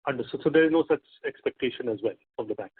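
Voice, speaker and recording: Halting male analyst on a phone line. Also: mid-range voice, slightly rough. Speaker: investment analyst asking questions. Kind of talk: earnings call questioning. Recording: narrow phone-like conference line.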